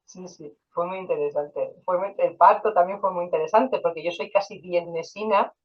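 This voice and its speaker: A woman with a fairly low, breathy-edged voice talks at normal speed as an interview guest. A hypnotherapist, she tells personal stories casually, quoting dialogue and using fillers, captured in dull audio.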